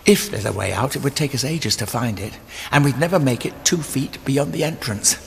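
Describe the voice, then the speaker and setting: An actor playing a level-headed, kindly physician, reasoned and articulate, in an audio drama. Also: male voice, medium pitch, animated, moderate pace, vocal fry, slight background noise. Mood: wary, reasoning.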